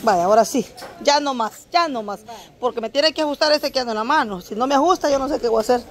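A middle-aged woman chats away in a casual vlog while she shops at an open-air market. Her voice sits a little high, and she jokes with the sellers and turns often to address her viewers directly. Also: fast. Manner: chatty, talks straight to her viewers, jokes with vendors. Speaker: vlogger.

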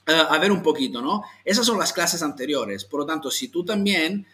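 A man's voice: fairly high pitch, lively intonation, bright, forceful tone. Italian man teaching a language lesson. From Italy. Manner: slow, exaggerated model pronunciations for repeating.

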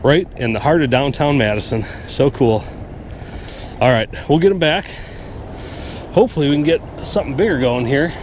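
A man's voice: mid-range voice, normal speed, pauses often. A man in his thirties hosting a fishing vlog from a small boat on a lake, chatting upbeat about his gear. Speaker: fishing show host. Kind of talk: casual outdoor fishing vlog. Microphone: action camera on the boat. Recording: wind and water noise outdoors.

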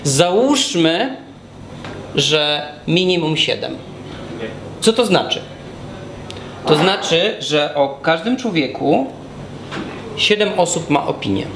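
A man in his thirties talks a small group through his drawing on a whiteboard, breaking off and restarting as he works. His voice sits a little high for a man. It echoes around the room and comes over steady background noise, picked up from a camera some distance away. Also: takes it slowly, long pauses. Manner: explains step by step while drawing, many restarts. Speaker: guest speaker. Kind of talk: talk at a whiteboard. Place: small room with brick walls. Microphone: far camera. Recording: echoey room from far off, noisy.

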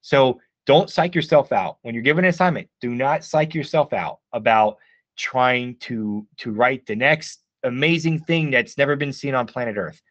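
A game writer appearing as a guest gives advice in a casual live-stream chat, speaking emphatically and saying "like" often. His voice is mid-range at a normal speed, with a dry, lo-fi recording.

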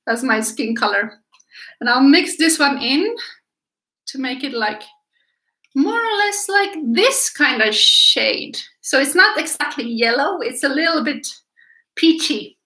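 A Swedish-accented art teacher in her thirties, high-voiced and sharp in tone, leads a live paint-along lesson from an easel in a small indoor room. She's chatty and encouraging with viewers, while the camera sits a few feet off, she turns away at times, and the room echoes.

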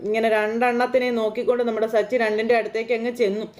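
Racing along in a flat delivery, a woman with a fairly high, slightly mellow voice narrates a recap of a serial episode. Her telling is casual and chatty, dotted with fillers aimed at the listener.

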